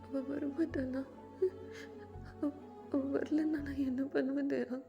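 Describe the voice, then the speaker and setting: Tearful, stammering lovesick young man, played by a woman narrator, slow and pleading. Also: high-pitched, steady tone, creaky, dull audio, over music, heavily acted. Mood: desperate. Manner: pleading, stammering, repeating himself. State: crying.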